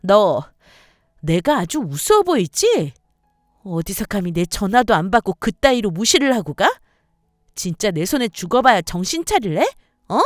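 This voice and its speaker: A woman voicing a spiteful, entitled sister-in-law in a story radio drama, loud and insulting. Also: fairly high pitch, sing-song, normal speed, no room sound, clean studio sound, faint music behind, voice pushed up. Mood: enraged. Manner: shouting insults, loud and belligerent.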